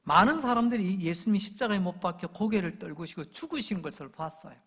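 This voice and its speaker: A male pastor preaches in a lively way, slipping into the shouts and jeers of crowds as he tells his story. His voice is gravelly and somewhat husky, at a middle pitch. The sound rings with the long reverb of a church sanctuary. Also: fast. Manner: animated preaching, acting out crowd shouts and taunts. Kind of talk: sermon.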